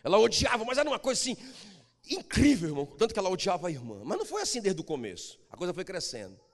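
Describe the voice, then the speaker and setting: High, animated pastor preaching in a hall. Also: male voice. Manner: emphatic preaching, swings between loud outbursts and low drawn-out lines. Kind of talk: sermon.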